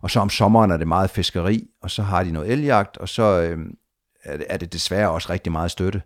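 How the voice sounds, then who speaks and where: A man telling a long story of his trip in a casual conversation, lively, with frequent restarts and repeated words. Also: sits low.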